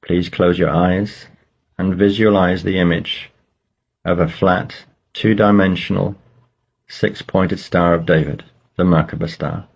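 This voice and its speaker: A man leading a guided meditation, giving slow, measured instructions with pauses between phrases. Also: low-pitched, fairly even intonation, creaky, slightly rough.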